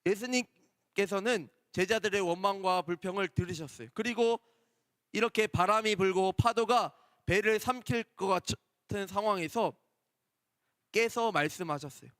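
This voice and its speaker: A man preaching a children's Sunday sermon in a church. He speaks gently, repeats key points and asks the children questions. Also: sits high, moderate pace, dry recording, clean studio sound, big-room sound. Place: church worship hall.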